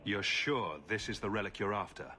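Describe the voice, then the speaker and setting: A man's voice: lowish voice, normal speed, bright, forceful tone. A man, an actor playing a composed, blunt adventurer in a fantasy game, asking direct, probing questions. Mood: firm, questioning. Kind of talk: game dialogue acting.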